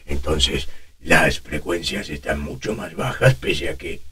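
A man voicing a very old smoker telling a story slowly and laboriously in a deep, raspy voice. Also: animated, a bit bright, heavily acted. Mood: worn, brooding. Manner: slow, laboured storytelling. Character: very old male smoker and drinker, narrating.

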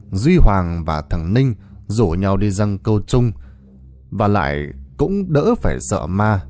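A man narrating a scripted horror story in a dramatic, expressive way. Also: lowish voice, dry recording.

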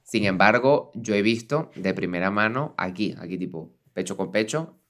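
A young man with a Venezuelan accent co-hosting a casual podcast, expressive and reactive. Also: fairly low pitch, normal speed. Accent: Venezuelan Spanish. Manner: expressive, reacts with repeated exclamations. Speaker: podcast co-host. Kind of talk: casual chat, reading listener stories.

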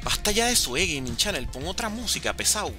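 A young man doing animated gameplay commentary, talking straight to his viewers. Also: high-pitched, a little fast. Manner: animated, excitable, talks to viewers. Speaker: gaming YouTuber. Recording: game music behind voice.

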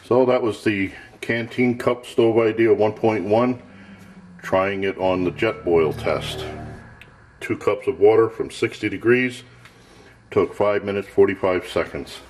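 A man's voice: fairly low pitch, unhurried, darkish tone, a little hiss or hum. A man casually narrating a camping stove test off camera in a cluttered home workshop, thinking aloud in a plain, matter-of-fact way. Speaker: gear tester.

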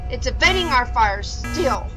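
Actress as female starship officer: high voice, lively pitch, tense reports, music behind. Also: a little slow. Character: alert female station bridge officer. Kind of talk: sci-fi audio drama acting.

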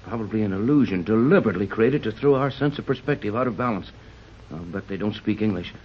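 An actor playing a level-headed male sea captain who takes charge in a calm, reassuring way, in a 1930s radio drama. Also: fairly low pitch, fast talker, a little hiss or hum, natural voice. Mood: steady. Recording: dull old 1930s radio recording.

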